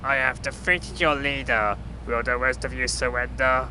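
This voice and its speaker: A man playing a blunt, deadpan, flippant superhero in an amateur audio drama. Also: normal speed, close to an everyday voice. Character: blunt, flippant male superhero, once a toy bird. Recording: clearly noisy with low rumble.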